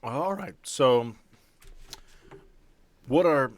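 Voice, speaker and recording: A man's voice: medium pitch, lively intonation, very slow. A man running a tabletop game as game master, narrating casually and improvising in stop-and-start phrases.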